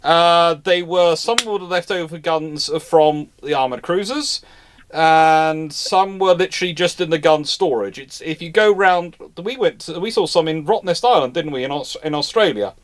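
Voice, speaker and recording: A man's voice: fairly high pitch, normal speed. A man hosting a live history Q&A in casual expert discussion, often repeating and rephrasing himself as he goes. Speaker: host of a live naval history Q&A.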